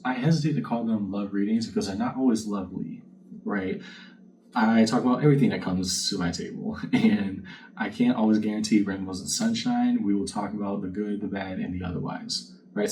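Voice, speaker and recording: A low-voiced man gives a casual tarot reading in a mellow, relaxed tone. He is conversational and reflective, recorded a little away from the mic. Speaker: tarot card reader and channel host. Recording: distant mic with faint background noise.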